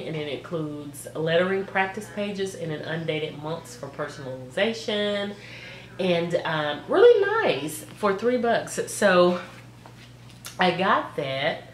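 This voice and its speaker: A woman chats casually through her shopping haul, stuffed up from a cold. She rattles off prices with excitement and trails off into fillers. The sound is roomy and echoey, with a faint hiss behind her. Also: lowish voice. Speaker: vlogger showing a craft store haul. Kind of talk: casual haul video chat. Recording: echoey room with faint noise.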